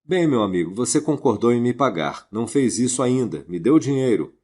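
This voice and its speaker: A man voicing a male creditor who firmly demands his money, in a husky voice. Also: mid-range voice, animated, fairly quick, a little mellow. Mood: insistent.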